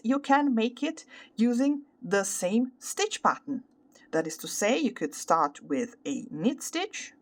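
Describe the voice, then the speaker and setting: A woman with an Italian accent, a native Italian speaker, explaining a craft tutorial carefully, step by step and with pauses. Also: fairly low pitch. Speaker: crochet tutorial host. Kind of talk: instructional craft tutorial, unscripted.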